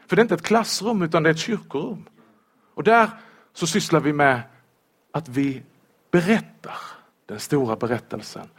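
A man preaching a sermon in church, lively and humorous, asking rhetorical questions of the congregation. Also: a little high, long pauses, slightly rough.

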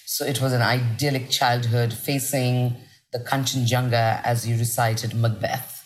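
A woman from Nepal who grew up in India, a journalist and podcast guest, telling her story in an articulate, animated way. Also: extremely low pitch, unhurried. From Nepal, raised in India. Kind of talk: casual conversational interview.

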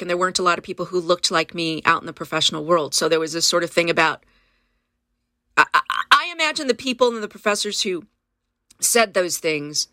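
A Californian woman in her fifties, whose first language is Spanish, earnestly reflects on her past as an interview guest, frequently restarting sentences. Her lowish voice has a sharp tone, captured in studio quality with no echo.

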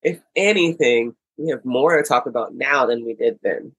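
A woman's voice: very deep voice, normal speed, breathy edge, no room sound, rough recording. An American woman co-hosting a casual podcast chat, chatty and playful. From United States. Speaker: podcast co-host.

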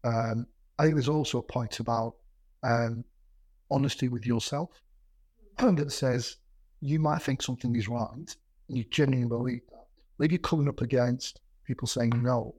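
A man's voice: mid-range voice, steady tone, normal speed, a little mellow, no echo. A middle-aged man with a stammer that makes him repeat sounds and words, speaking in a plain-spoken, conversational interview style as a business executive. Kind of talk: reflective conversational interview with anecdotes.

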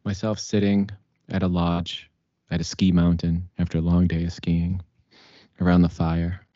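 A man's voice: sits low, dark tone, dry recording, highs cut off. A man co-hosting a casual whiskey tasting as a novice, playful and theatrical, fond of grand phrases.

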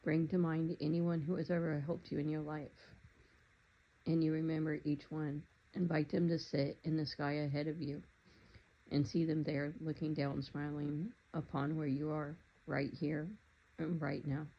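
Meditation guide, steady flat delivery, soft calm instructions, slightly muffled lo-fi recording. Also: mid-range voice. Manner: calm, unhurried, gently instructive.

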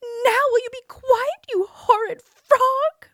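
A woman reading a storybook, voicing a frightened, spoiled young princess who talks high and fretfully. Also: very animated, moderate pace, breathy edge, no echo, clean studio sound, heavily acted. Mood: furious.

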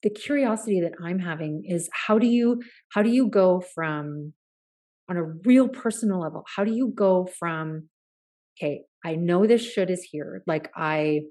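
A woman's voice: fairly low pitch, moderate pace, warm tone. A woman hosting a podcast, asking curious, probing questions that loop and restart as she works toward her point. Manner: curious, probing, talks in long looping questions. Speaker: podcast host. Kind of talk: conversational interview.

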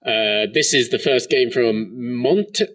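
A man's voice: medium pitch, slow, fairly bright tone, no echo, studio quality, distant mic. Man on a muffled tin-can mic. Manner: chatty, many "like" fillers. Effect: muffled tin-can sounding mic. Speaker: co-host. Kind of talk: casual podcast chat.

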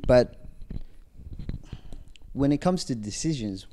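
A man's voice: medium pitch, lively intonation, slow, dark tone, slight background noise. A young man in a casual group chat, firm and repeating his point.

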